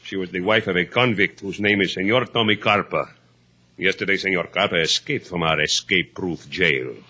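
An actor playing a courteous but menacing Cuban police inspector in a radio drama, speaking formally with a Cuban Spanish accent. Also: male voice, low voice, sharp tone, husky, full character voice. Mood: coolly menacing. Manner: formal, deliberate, mock-polite. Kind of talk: 1950s radio drama acting.

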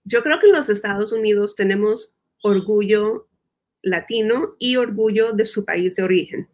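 A woman's voice: mid-range voice, moderate pace, a little mellow. Female interview guest with a middle-range voice, thoughtful explainer who drops in English terms and repeats words as she thinks. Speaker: guest expert. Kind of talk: conversational interview. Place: United States.

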